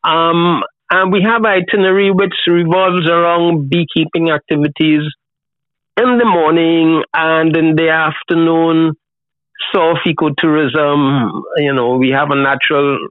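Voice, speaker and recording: An elderly man of seventy speaks with a Trinidadian accent in a noticeably high register. He chats reflectively and colloquially as an interview guest. The sound is thin and phone-like, with a dry, close feel and no room around it. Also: steady tone, measured pace, no room sound. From Trinidad and Tobago. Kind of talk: casual conversational interview. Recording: thin, phone-like call audio.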